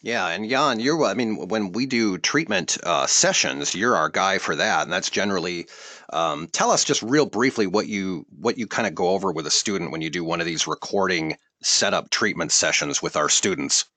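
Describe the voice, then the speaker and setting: A man's voice: low voice, expressive, moderate pace, sharp tone, no room sound. A man hosting a live webinar Q&A as a voiceover coach, friendly and upbeat.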